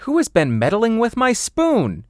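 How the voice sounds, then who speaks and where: A man voicing excitable, kind-hearted little dwarves from a storybook in an exclamatory way. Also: high-pitched, a little slow, no room sound, studio quality, pitched above the performer's own voice, full character voice. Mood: indignant.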